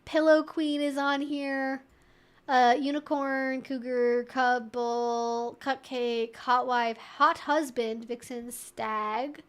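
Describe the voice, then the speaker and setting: A woman's voice: high-pitched, level tone, slow pace, smooth. A woman hosting a live Q&A stream, thinking aloud in an informal, chatty, wry and opinionated way.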